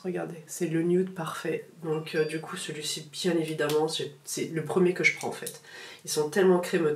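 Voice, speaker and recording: A woman vlogger chatting casually as she sorts through her makeup, relaxed and slangy with lots of fillers. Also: fairly low pitch, far from the mic. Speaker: beauty vlogger. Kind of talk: casual chat while sorting makeup. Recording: echoey room, voice off-mic, faint background noise.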